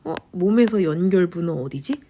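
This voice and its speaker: A woman teaching English vocabulary in a lecture, asking quick rhetorical questions and answering them herself, often dropping into a whisper. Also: lowish voice, lively intonation, dark tone, slight background noise.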